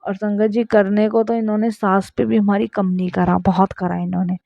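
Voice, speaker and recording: Speaking at a moderate pace with little pitch movement, this thirtysomething woman gives a heartfelt devotional testimony and repeatedly turns to her listeners. Her mid-range voice is creaky, captured in a dry, dull lo-fi recording.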